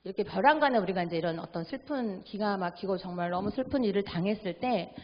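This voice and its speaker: A middle-aged woman giving a church family seminar talk. She acts out family dialogue in a lively way and keeps asking the audience to agree. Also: medium pitch, fast. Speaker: seminar lecturer. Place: church hall. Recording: echoey hall, dull audio.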